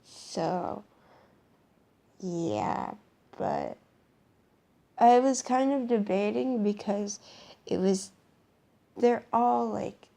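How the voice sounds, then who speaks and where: Hoarse young woman, slow gravelly ramble. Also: mid-range voice, lively intonation, warm tone. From Canada. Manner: rambling, lots of ums and restarts. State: hoarse, voice worn from shouting. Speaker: vlogger. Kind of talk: casual show-and-tell vlog.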